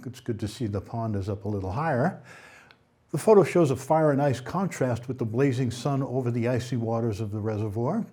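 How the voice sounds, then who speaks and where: A male news anchor with a soft, dark voice at an ordinary pitch. He presents local items in a newsreading style, now and then halting over a phrase.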